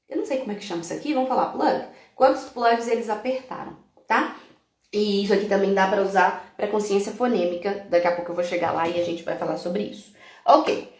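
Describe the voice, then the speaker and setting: A Brazilian woman teacher with a fairly high voice gives a live-stream talk to fellow teachers in an echoey room. She explains classroom activities step by step, dropping in English example words.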